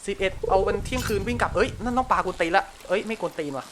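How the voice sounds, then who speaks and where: A man with a Thai accent giving casual, crude gameplay commentary, chatting to himself and shouting at the game when it frustrates him. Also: high-pitched, rapid-fire, slight background noise. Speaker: gameplay streamer.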